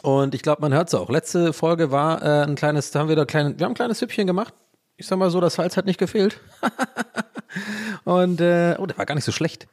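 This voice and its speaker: Rambling, self-mocking German podcast host. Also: male voice, a little high, moderate pace. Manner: jokey, self-mocking, loses his thread and restarts. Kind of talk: rambling solo podcast monologue. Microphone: home podcast microphone.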